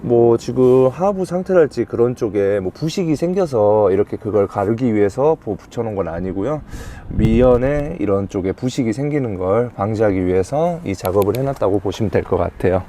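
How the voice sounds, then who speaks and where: A man's voice: lowish voice, lively intonation, fairly quick, hardly any pauses, mellow. A man, explaining things to viewers as a used car dealer in polite, formal salesman patter. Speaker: used car dealer presenting a truck-buying guide. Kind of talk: informal explainer presentation to viewers. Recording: faint background noise.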